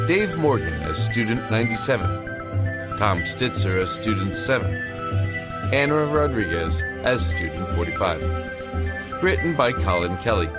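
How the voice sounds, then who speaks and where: A man reading scripted cast credits as the announcer of an audio drama. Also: fairly low pitch. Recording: loud music bed under voice.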